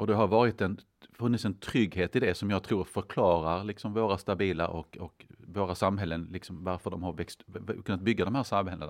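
A very deep, low male voice at a fairly quick pace with fairly even intonation, on a very clean recording with a silent background. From Sweden. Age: 50s. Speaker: politician. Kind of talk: interview.

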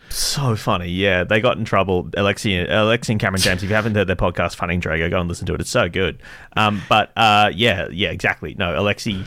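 He speaks very fast with an Australian accent, hardly pausing at all. His voice sits at a fairly low pitch. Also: ordinary pitch variation. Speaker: radio broadcaster and TV host. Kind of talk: casual chat.

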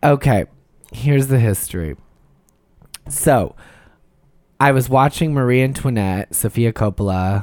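A man with an American accent speaks at a fairly slow pace in a medium pitch, with ordinary pitch variation and long, frequent pauses. His tone is animated, and the sound is dry and close with no echo. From northern New York, US. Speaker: dance and performance artist. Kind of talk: casual chat. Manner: animated, jokey.

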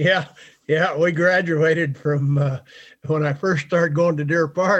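Monotone, flat intonation from a man with an American accent and a fairly high pitch. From US Northwest (Idaho). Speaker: veteran drag racer. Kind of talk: interview.

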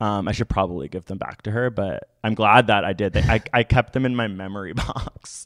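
Talking at a fairly quick pace, a man has a fairly low pitch and an unremarkable speaking voice. His intonation is fairly even, and the sound is dry and close with no echo. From Canada. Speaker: tiktok creator who once took the host's sunglasses. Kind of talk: casual chat.

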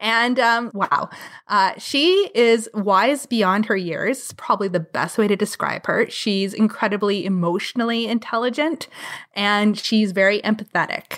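At a fairly slow pace, a woman with a fairly high pitch speaks in a plain, everyday voice. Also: ordinary pitch variation. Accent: Canadian. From Ontario, Canada. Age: 40s. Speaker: travel vlogger and family travel expert. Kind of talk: casual interview. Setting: podcast interview.

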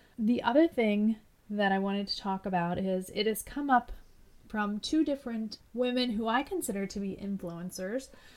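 A woman with a Pennsylvania accent speaks at a fairly high pitch with ordinary pitch variation on a very clean recording with a silent background. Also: moderate pace. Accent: Pennsylvania US, self-described as wonky. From Pennsylvania, US. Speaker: podcast host, marketing coach for mom entrepreneurs. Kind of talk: solo podcast talk about marketing. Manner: passionate, earnest.

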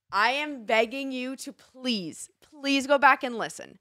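In a very clean recording with a silent background, the voice carries a New Jersey accent and ordinary pitch variation. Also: woman. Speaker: podcast co-host. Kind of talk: casual chat.

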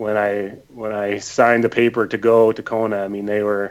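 A man with a Canadian accent speaks at a moderate pace in a fairly low, monotone voice with flat intonation. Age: 30s. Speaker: age-group triathlete. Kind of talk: interview. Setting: video call.

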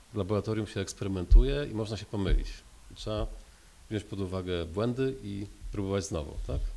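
Big swings in loudness mark this man's dark, mellow tone. His pitch is fairly low, with ordinary pitch variation. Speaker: teacher and author. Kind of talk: interview. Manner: halting.

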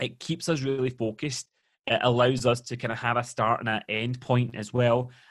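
Recorded very cleanly against a silent background, a man with a Glasgow accent talks at a moderate pace in a medium pitch, his intonation monotone and flat. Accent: Scottish (Glasgow). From Scotland, Glasgow. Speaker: business and mindset coach. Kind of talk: casual interview chat.

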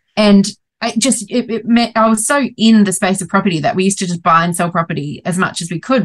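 A woman's somewhat breathy voice with an Australian accent at a very fast pace. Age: 40s. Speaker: finance journalist. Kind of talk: casual chat.

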